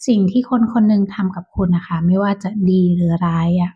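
A woman giving a casual tarot reading to viewers, talking softly and chattily with whispered asides. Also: on the low side, steady tone, a little fast, husky. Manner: soft, chatty, with whispered asides and light laughs. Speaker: tarot reader. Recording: dull lo-fi sound.

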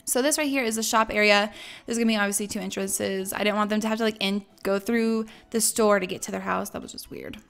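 A young woman hosting a let's play talks fast at medium pitch, with fairly even intonation, vocal fry and a fairly bright tone, soft music behind her. Commenting casually over a life-sim game, she's chatty and upbeat with lots of fillers, though she's losing her voice and it sounds a bit strained as it goes.

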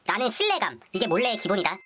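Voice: mid-range voice, wildly swooping pitch, fast, sharp tone, slight background noise. A performer playing a cocky, scheming young boot-camp recruit in a comedy skit, by turns boastful and stiffly polite. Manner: stammering politeness to superiors, boastful with friend. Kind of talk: comedic skit role-play.

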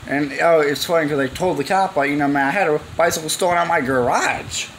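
Young guy vlogging a rambly slangy story, voice a bit high, faint hum behind him. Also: quick pace, fairly bright tone, rough recording. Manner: slangy, informal, acts out quoted exchanges. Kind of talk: casual rambling storytelling to camera. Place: cluttered garage, indoors.

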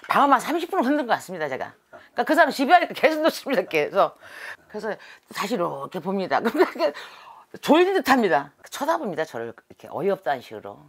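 A middle-aged woman, a shaman, telling stories from her past in an animated, dramatic way during an interview. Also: on the low side, husky. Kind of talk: storytelling interview.

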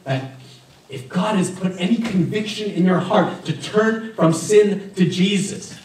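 A man in his thirties preaching a sermon in a church, talking in a lively, conversational way while gesturing at a lectern. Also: sits high, a little slow, slight background noise. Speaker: pastor. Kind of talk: sermon with personal story. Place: church sanctuary with stained glass, indoors. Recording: very echoey room from far off.

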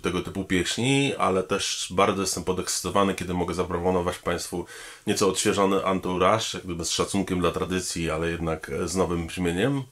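A deep-voiced pianist, composer and arranger gives a promotional talking-head statement, measured and thoughtful with frequent hesitation fillers. His intonation is fairly even, his tone fairly bright, and he addresses the audience formally and politely.

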